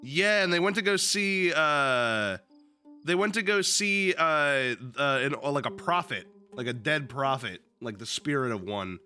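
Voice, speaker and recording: With faint music behind him, a young man reads a book aloud on his stream from home with his dog, sounding sniffly and still a little sick. His voice is on the high side, animated, bright and forceful, and a little slow. He keeps things loose and jokey, swears freely and uses many fillers.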